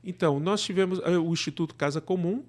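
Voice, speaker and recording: A man with a Brazilian accent speaking as an interview guest, conversational and halting, repeating words and adding tag questions. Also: high voice, a crowd in the background. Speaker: interview guest, radio drama producer.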